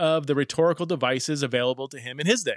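A man at a very fast pace, in a very clean recording with a silent background. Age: 40s. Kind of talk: solo podcast monologue on theology. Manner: casual with frequent fillers and self-restarts.

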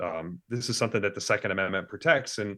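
A man with an American accent talks at a very fast pace in a fairly low pitch, his pitch varying an ordinary amount over a quiet background. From US South. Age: 40s. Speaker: lawyer. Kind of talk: interview.

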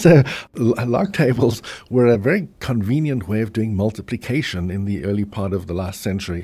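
On a very clean recording with a silent background, a man with a dark, mellow tone speaks at a fairly low pitch and moderate pace with ordinary pitch variation. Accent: South African. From Cape Town, South Africa. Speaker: business school associate professor.

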